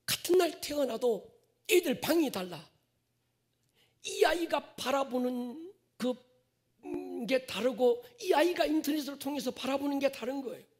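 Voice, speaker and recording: A male pastor preaching a sermon to his congregation, swinging from loud stressed phrases to whispered endings and drawing out key words. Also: very high voice, lively intonation. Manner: addresses the congregation directly, drawn-out stressed words.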